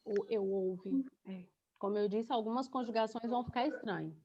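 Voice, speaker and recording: A woman's voice: fairly high pitch, brisk, mellow. A young woman teacher with a Goiás Brazilian Portuguese accent, teaching an online class to children and explaining by asking and answering her own questions. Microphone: video call. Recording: dull lo-fi video call audio.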